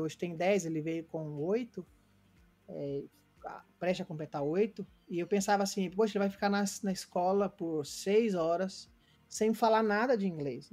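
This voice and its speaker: A man's voice: sits high, dark tone. A Brazilian man in his late thirties from Goiânia, an interview guest telling his story earnestly and reflectively, with many fillers and restarts. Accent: Brazilian Portuguese. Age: late 30s. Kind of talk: casual remote interview, storytelling.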